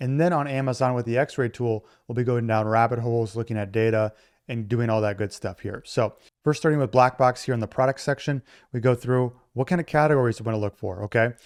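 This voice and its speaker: Against a quiet background, a man talks very fast at a medium pitch with fairly even intonation, the sound dry and close with no echo. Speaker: online seller and tutorial creator. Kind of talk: tutorial. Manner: casual.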